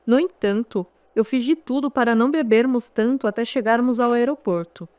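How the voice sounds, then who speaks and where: Dry, higher-voiced Brazilian woman narrating. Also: moderate pace, darkish tone, no echo. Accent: Brazilian Portuguese. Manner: conversational storytelling, wry asides to the listener. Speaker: audiobook narrator. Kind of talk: first-person memoir audiobook narration.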